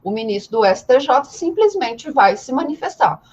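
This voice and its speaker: A woman's voice: high-pitched, big pitch swings, moderate pace, a little mellow, breathy edge, dull audio. A woman with a Brazilian Portuguese accent giving an informal live law lecture, explaining didactically with rhetorical questions and repetition. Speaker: law teacher.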